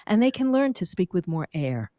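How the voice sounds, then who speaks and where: Expressive woman vocal coach, dry sound. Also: lowish voice, normal speed, no echo. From New York. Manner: expressive, lively teaching tone. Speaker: speaking and vocal coach, guest. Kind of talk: conversational podcast interview.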